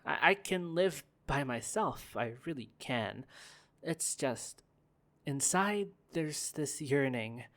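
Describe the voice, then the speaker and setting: Slow, soft-spoken young heir, lonely and guarded, stumbling over words, a man acting it out for an ASMR roleplay. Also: a little high. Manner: soft-spoken, hesitant, stammering restarts. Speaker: roleplay performer.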